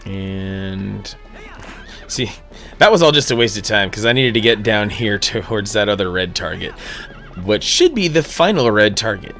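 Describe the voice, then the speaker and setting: Animated, joking man streaming a game. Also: fairly low pitch, a little slow, soft background music. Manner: playful, sarcastic, jokey, swears casually. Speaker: streamer playing a video game. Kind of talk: live gameplay commentary.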